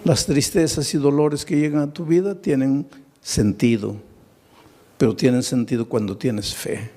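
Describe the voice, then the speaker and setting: A man preaches unhurriedly in a steady, dark, mid-range voice. His sermon retells a Bible story with acted-out dialogue, and he draws in the audience with rhetorical questions.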